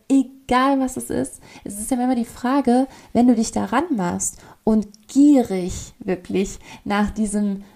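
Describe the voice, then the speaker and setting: A woman's voice: on the high side, mellow. A woman co-hosting a podcast, talking casually and explaining emphatically with rhetorical questions. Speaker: podcast co-host. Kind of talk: casual conversational podcast talk.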